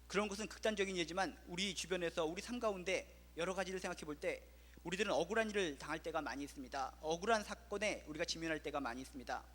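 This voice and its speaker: A man's voice: on the high side, rapid-fire, fairly bright tone, in a large hall. A male pastor preaching an impassioned sermon full of rhetorical questions, in a church.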